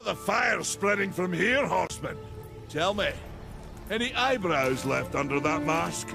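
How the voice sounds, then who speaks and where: Gravelly, swaggering giant warrior. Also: male voice, high-pitched, animated, measured pace, over music, full character voice. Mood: taunting. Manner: taunting, boastful. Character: cocky, towering, mocking warrior maker. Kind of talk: video game cutscene acting.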